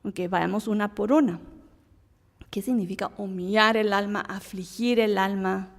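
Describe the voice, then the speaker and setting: A woman's voice: mid-range voice, fairly even intonation, a little slow, long reverb tail. A woman from Guatemala with a Guatemalan Spanish accent, teaching a Bible lesson in a conversational way, asking and answering her own questions.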